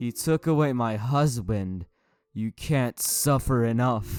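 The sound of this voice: In a put-on, growling character voice of medium pitch, a man speaks at a fairly slow pace, with a dry, close sound with no echo and faint music in the background.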